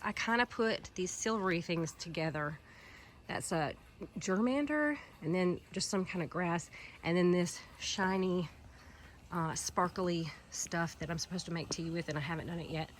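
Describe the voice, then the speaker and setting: A woman's voice: lowish voice, a little hiss or hum. A woman with a Southern US accent and a stuffy head cold, chatting casually and rambling with many fillers as she walks through her outdoor garden filming it by hand. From Alabama Gulf Coast, US. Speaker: gardening vlogger. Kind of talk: casual walking garden tour.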